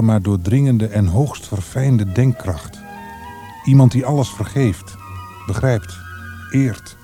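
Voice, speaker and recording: A man's voice: mid-range voice, mellow, natural voice. An actor in a Dutch radio drama playing an intense, possessive male poet who declaims formally and fervently.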